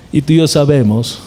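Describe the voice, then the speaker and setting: A man's voice: fairly high pitch, a little mellow. A male pastor from Bolivia preaching a sermon, telling a story and acting out short quoted exchanges.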